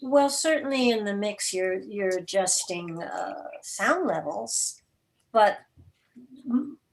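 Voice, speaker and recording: A woman answering questions as a guest in a casual online discussion, matter-of-fact, with pauses in the middle of her explanations. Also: medium pitch, animated. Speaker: guest, radio drama producer and interviewer. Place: remote video call.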